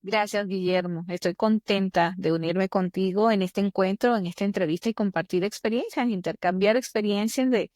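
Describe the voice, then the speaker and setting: A woman in her fifties with a Venezuelan accent shares personal stories as a podcast guest. Her mid-range voice is expressive and emphatic, often repeating phrases for effect. The sound is dry, with little room echo. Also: mid-range voice, normal speed, few pauses. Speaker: podcast guest, executive coach. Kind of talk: conversational interview, personal storytelling.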